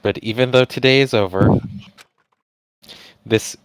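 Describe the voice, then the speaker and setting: A man's voice: on the low side, a little slow, clear, resonant tone, no room sound, rough recording. A man doing casual commentary on a group game stream, mixing script reading with wry, dry asides. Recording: game music behind the voice.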